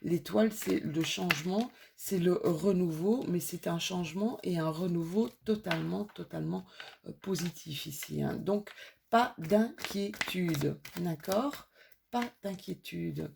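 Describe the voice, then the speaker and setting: A woman's voice: fairly low pitch, measured pace, gravelly, background noise. A woman with a slight cold giving an intuitive card reading to her viewers in a soothing, reassuring way, with many fillers and restarts. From France. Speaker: tarot card reader.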